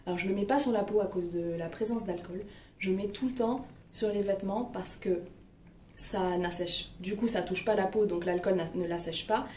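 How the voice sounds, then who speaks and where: A young beauty vlogger chats casually at home about her favorite products, her medium-pitched voice mellow and moderately paced. She hesitates a lot and fills gaps with fillers, and the distant mic picks up a roomy sound with faint noise.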